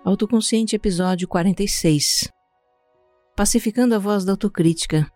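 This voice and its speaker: Soothing guided meditation voice, Brazilian accent, mellow. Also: medium pitch, soft background music. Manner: calm, soothing, unhurried instruction with pauses. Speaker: podcast host guiding a meditation. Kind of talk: slow guided meditation narration.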